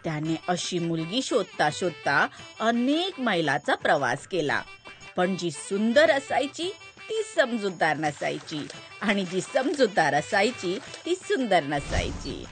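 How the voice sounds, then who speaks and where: Kindly cartoon storyteller auntie: unhurried, instructive narration with music underneath. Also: female voice, on the low side, sing-song. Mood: storytelling. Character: wise, kindly storytelling grandmother figure. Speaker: narrator and host. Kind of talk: scripted children's story narration.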